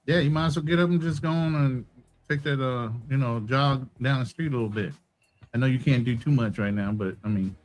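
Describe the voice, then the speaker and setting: A man's voice: medium pitch, brisk, faint music behind. A man chatting easily on a livestream panel and teasing another panelist. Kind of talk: casual livestream chat.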